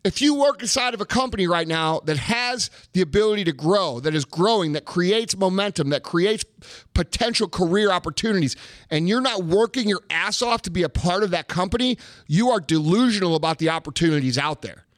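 A man's voice: high voice, expressive, fairly quick, no echo, studio quality. A man giving a blunt, profane motivational rant, hammering his points home with emphatic repetition. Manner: blunt, emphatic, heavy swearing. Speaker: motivational speaker.

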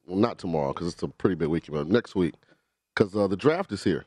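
A man's voice: sits low, animated, quick pace, a little mellow, dry recording, clean studio sound. An easygoing man chatting on a sports talk panel, filling his talk with "you know". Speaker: panel guest.

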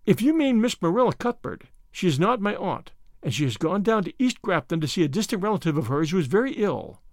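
A man's voice: high voice, very animated, brisk, dry recording, clean studio sound. A man doing a dignified young woman. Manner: dignified, firm. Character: dignified red-haired young woman, firm and composed.

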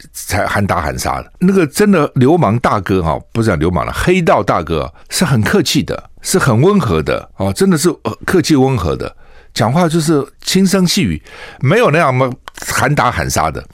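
A man's voice: medium pitch, no room sound, clean studio sound. An older man from Taiwan, a radio talk show host, giving opinionated commentary full of scolding rhetorical questions. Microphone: studio microphone.

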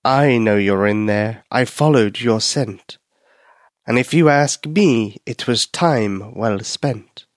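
A man voicing a sly, menacing male cat who hunts mice and speaks slowly in rhyme, read as a storybook figure. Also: mid-range voice, no room sound, studio quality, close to an everyday voice. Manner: slow, drawn-out, speaks in rhyme.

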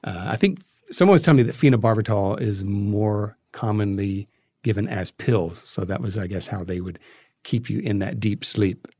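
Low-voiced man explaining thoughtfully. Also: moderate pace, warm tone, no echo, clean studio sound. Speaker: interview guest, filmmaker and podcast creator. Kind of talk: conversational explanation in an interview.

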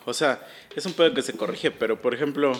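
A man's voice: mid-range voice, a little fast, slight background noise. A man with a Mexican accent, rambling in slangy casual chat. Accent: Mexican Spanish.

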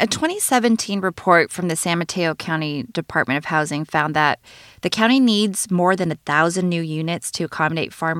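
Measured woman interviewer, dry sound. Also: low voice, a bit bright, dry recording. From US, San Francisco Bay Area. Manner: measured, inquiring. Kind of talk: radio-style interview.

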